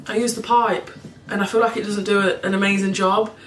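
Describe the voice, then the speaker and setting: In an echoey home kitchen full of background noise, a cleaning vlogger talks briskly to a camera at table height. Her voice is medium-pitched with little pitch movement and a slightly hoarse, froggy quality. She rambles casually, swearing and laughing here and there.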